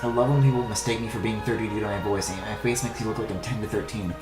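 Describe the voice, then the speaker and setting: A man's voice: on the low side, fairly even intonation, quick pace, echoey room, loud music behind the voice. A young man streaming himself drawing, chatting casually, swearing and trailing off mid-thought. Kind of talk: casual chat while drawing.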